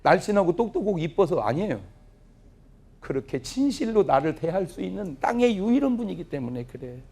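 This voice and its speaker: Middle-aged male pastor, husky and animated, storytelling sermon that plays out family dialogue. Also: high voice, fairly quick. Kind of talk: revival sermon with humorous stories. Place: church revival meeting, audience laughing.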